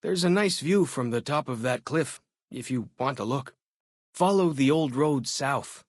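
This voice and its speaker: A man's voice: medium pitch, expressive, unhurried, dry recording, studio quality. A man playing a friendly, curious young tribal scout and guide in a video game, chatty and folksy. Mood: welcoming, helpful. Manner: folksy, chatty, inquisitive, easygoing phrasing. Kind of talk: video game companion dialogue.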